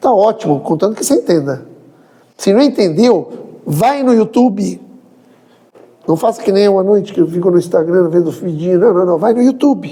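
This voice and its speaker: At a moderate pace, a man speaks with a high pitch, lively intonation and an animated tone. His loudness stays very even, and he leaves long, frequent pauses. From Brazil, arrived from Chile at about ten. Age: 50s. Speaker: spiritist lecturer. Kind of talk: religious talk. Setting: in person, hall with audience. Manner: animated, informal.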